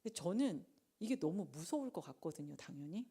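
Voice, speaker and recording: Woman preacher, low mellow voice, animated delivery with dramatized quotes and the odd whispered aside. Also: a little fast, slightly rough. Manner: animated, acts out the disciples' and Jesus' lines in dramatized quotes; drops to a whisper for emphasis. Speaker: preacher at a late-night prayer meeting. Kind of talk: conversational sermon.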